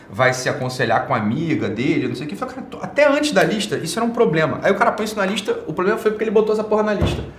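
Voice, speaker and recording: A man's voice: medium pitch, a bit bright, slight background noise. A man hosting an online show, giving a blunt, casual opinion monologue full of slang, swearing and rhetorical tag questions. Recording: roomy echo.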